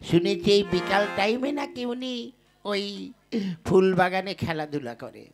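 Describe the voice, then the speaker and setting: A woman's voice: medium pitch, big pitch swings, a little slow, over music. A woman voicing a clumsy, half-mad young village man in a puppet show, mumbling and mangling names as he pines for a girl. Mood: scheming. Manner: bumbling, mumbling, mispronounces names.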